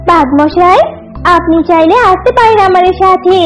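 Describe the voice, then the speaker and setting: A woman voicing a small, anxious, polite tailorbird in an animated fable, excitable and deferential. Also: extremely high pitch, moderate pace, soft background music, pitched above the performer's own voice. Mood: friendly, curious. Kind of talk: animated fable character acting.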